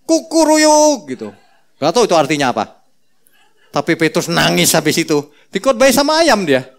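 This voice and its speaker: A male pastor preaching a sermon with a lively, bouncy delivery that swings widely in pitch. His voice sits a little high for a man. He tells the story playfully, with many asides. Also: brisk, vocal fry.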